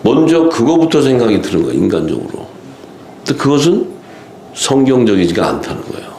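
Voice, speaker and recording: A man preaching at a seminar, animated and laughing as he acts out quoted lines. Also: mid-range voice, a little fast, roomy sound, slight background noise. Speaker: pastor. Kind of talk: seminar sermon.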